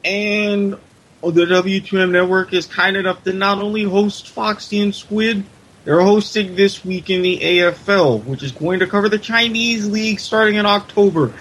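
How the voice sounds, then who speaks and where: A man's voice: sits high, normal speed, fairly bright tone, slight background noise, rough recording. A man co-hosting a podcast in casual chat, opinionated and joking. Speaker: podcast co-host.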